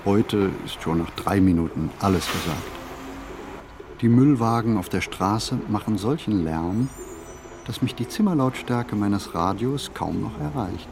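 An actor playing a reflective, solitary man who narrates his mundane daily routine in a deadpan radio play monologue. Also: fairly low pitch, measured pace, vocal fry, noisy background. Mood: wry, musing.

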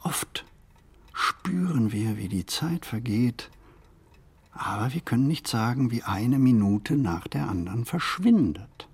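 An actor playing a pensive, hesitant city stroller in a radio play monologue, speaking deliberately and haltingly with a husky voice. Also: male voice, medium pitch, big pitch swings, heavily acted. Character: male pensive, hesitant city stroller musing on everyday life.

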